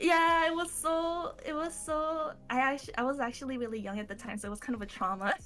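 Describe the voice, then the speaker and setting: Fast-moving and high-pitched, a woman's voice makes very wide pitch swings at a fairly quick pace with hardly any pauses. There is noticeable background noise. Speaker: VTuber rigger and animator. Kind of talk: interview. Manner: halting.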